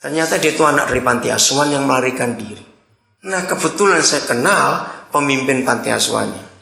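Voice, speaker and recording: A man's voice: medium pitch, a little fast, vocal fry. A man preaching a sermon, telling stories and acting out the dialogue in them. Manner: storytelling, animated, acts out dialogue. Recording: echoey hall.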